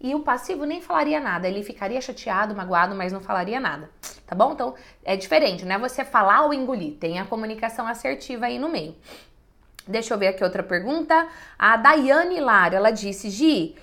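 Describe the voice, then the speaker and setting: Woman host, bright and fairly high voice, direct and expressive, casual advice answering viewers. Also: brisk. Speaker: host giving relationship advice.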